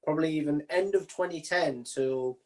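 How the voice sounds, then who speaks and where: A man's voice: on the high side, normal speed. A man hosting a casual interview, putting his questions together informally as he speaks. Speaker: interviewer, podcast host.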